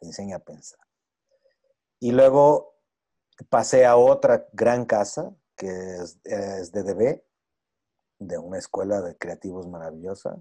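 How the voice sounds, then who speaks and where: Here a man speaks with a Portuguese accent in a dark, mellow tone. His pace is fairly slow, with ordinary pitch variation. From Portugal. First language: Portuguese (speaking Spanish). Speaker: agency partner, entrepreneur. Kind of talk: interview.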